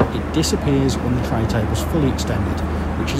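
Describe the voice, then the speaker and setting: The speech comes at a very fast pace against loud background noise. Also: man. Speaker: travel reviewer. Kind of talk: tutorial. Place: plane. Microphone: phone near.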